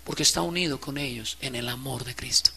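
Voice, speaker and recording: A man preaching a sermon as pastor, swinging between quiet, low passages and loud, impassioned stretches. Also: fairly quick, gravelly, slight background noise.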